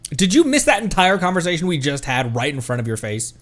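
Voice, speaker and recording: A man's voice: fairly high pitch, very animated, fast. A man giving casual, joking, sarcastic commentary as he streams a game. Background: faint game music.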